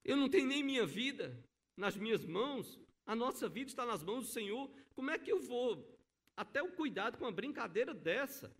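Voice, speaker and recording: A middle-aged man preaches a sermon in a church. His voice sits high and leaps around with lively, expressive swings. He tells stories with emphasis and acts out the people he quotes. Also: a little fast, slightly rough. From Brazil. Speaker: pastor. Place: church sanctuary.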